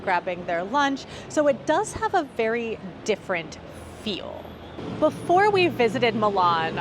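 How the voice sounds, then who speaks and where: A woman giving casual travel tips in a chatty, explanatory way, filming on city streets and in a car. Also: a little high. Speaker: travel vlogger. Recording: outdoor street noise and crowd.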